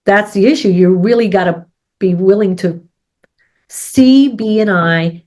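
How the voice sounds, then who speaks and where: In a warm, mid-range voice at a measured pace, a middle-aged woman co-hosts a casual business chat while nursing a head cold. She explains her points with sports and farming examples, often pausing to ask "right?".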